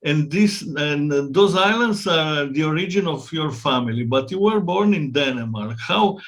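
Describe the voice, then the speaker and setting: A man's voice: a little high, animated, unhurried, fairly bright tone. A man with an Italian accent hosting an interview, speaking hesitantly in English as a second language with many restarts and fillers. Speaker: interviewer, host.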